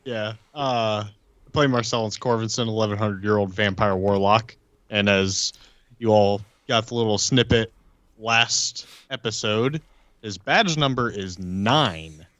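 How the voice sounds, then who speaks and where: A man casually describing his game character as a podcast player, halting and matter-of-fact. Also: on the low side, a bit bright, no echo, dull audio.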